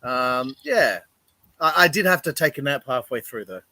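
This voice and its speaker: A man's voice: medium pitch, lively intonation, moderate pace, sharp tone. A man co-hosting a podcast in casual chat, laid-back and understated in his opinions. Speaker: podcast co-host.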